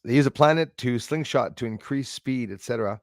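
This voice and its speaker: A man's voice: mid-range voice, fairly quick, dry recording, clean studio sound. A man in his sixties hosting a casual live stream, chatting in a rambling way and thanking viewers by name. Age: 60s.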